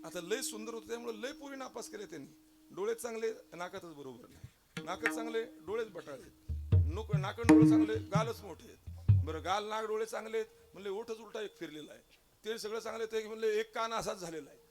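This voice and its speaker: With a high, slightly dark voice and a somewhat fast pace, a Marathi-accented man delivers a devotional kirtan sermon over soft background music. As a kirtan preacher, he tells a funny story, acts out its dialogue, and breaks into chanting.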